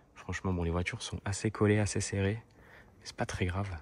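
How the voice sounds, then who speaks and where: Flat and monotone, a man's somewhat breathy voice carries on without pitch change. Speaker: car-spotting vlogger. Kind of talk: vlog walkthrough commentary. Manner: whispering; hesitant, many fillers.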